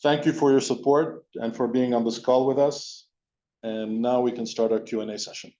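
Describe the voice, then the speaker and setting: A man speaking as a company executive on an investor call, answering questions in a measured way with pauses. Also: medium pitch, steady tone, warm tone. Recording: dull, lo-fi conference call audio.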